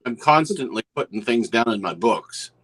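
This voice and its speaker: A man's voice: mid-range voice, expressive, normal speed, a bit bright, slightly rough. Joking older man hosting a stream. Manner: teasing, dry jokes, hesitant restarts; reads viewer comments aloud. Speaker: stream host. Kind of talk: casual chat.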